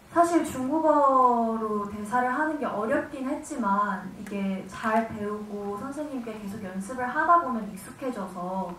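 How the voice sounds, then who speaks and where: A woman's voice: a little high, fairly bright tone. An actress explaining her role and thoughts at a press conference. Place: cinema auditorium. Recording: echoey hall, distant mic, faint noise.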